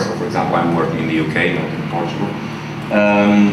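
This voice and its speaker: Fairly quick speech from a man comes through with audible room echo and noticeable background noise. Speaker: conference speaker. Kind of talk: lecture. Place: hall. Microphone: podium.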